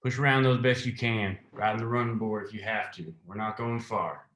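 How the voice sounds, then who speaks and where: A man's voice: lowish voice, steady tone, moderate pace, a bit bright, reverberant, lightly acted, rough recording. A man playing an angry, commanding lawman boss from the 1920s in a screenplay table read. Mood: gruff, impatient. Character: angry, menacing, foul-mouthed male lawman boss in 1920s America.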